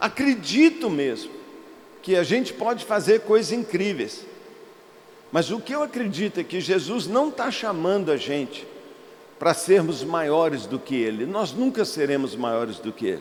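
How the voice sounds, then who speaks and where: A man with a high pitch speaks at a fairly slow pace. His pitch swings very widely. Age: 60s. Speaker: pastor. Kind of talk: sermon.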